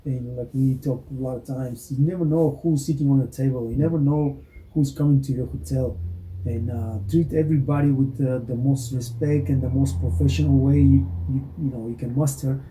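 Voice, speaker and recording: A man's voice: medium pitch, fairly even intonation, fairly quick, mellow, a little hiss or hum, rough recording. A man hosting an interview, blunt and casual, swearing freely and speaking to viewers. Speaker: host.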